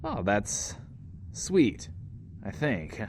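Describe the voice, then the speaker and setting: A man's voice: on the low side, huge pitch swings, extremely slow, creaky, darkish tone, slightly rough, faint music behind, heavily acted. A man playing a sincere, hesitant radio DJ in an audio drama. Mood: heartfelt. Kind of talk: in-world radio host acting.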